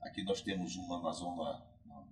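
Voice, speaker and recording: A man hosting a podcast, upbeat and quick with short affirmations. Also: deep voice, fairly even intonation, crowd noise. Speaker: podcast host.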